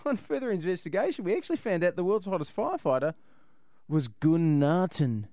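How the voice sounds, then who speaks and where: A man's voice: high-pitched, animated, fairly quick, dark tone, no room sound, clean studio sound. An Australian man hosting a radio show with casual, irreverent comedy banter and a jokey, rambling way of talking.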